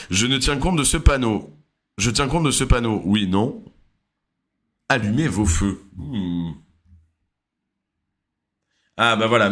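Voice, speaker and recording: A young man with a French accent, hosting a casual live driving-theory quiz, chatty and hesitant, reading questions and answering viewers. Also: lowish voice. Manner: relaxed, chatty, full of hesitations. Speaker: driving school live host.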